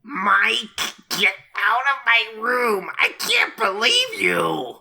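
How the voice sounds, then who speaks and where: A woman voicing a cranky teenage turtle inventor with a croaky, witch-like rasp, scolding impatiently in a comedic fanfic reading. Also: fairly high pitch, wildly swooping pitch, slow, sharp tone, full character voice. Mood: exasperated.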